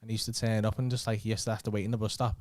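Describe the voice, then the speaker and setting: A man's voice: on the low side, flat delivery, rapid-fire, a little hiss or hum. A man hosting a podcast in casual banter, swearing freely and laughing often. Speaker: podcast host.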